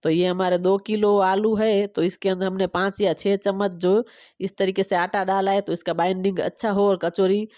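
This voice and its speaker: A woman in her thirties from Gujarat, native Gujarati speaker, chatting quickly through a home cooking and cleaning vlog on a phone camera. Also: medium pitch, little pitch movement, a little mellow, no room sound, clean studio sound. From Gujarat, India. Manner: fast-talking, chatty step-by-step explaining. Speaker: vlogger.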